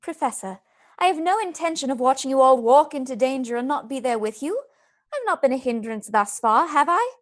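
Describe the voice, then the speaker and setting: High-voiced, resolute gentlewoman. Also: very animated, fairly quick. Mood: indignant. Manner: polite, composed, formal. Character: kind, resolute, well-bred young married woman. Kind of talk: live radio play acting.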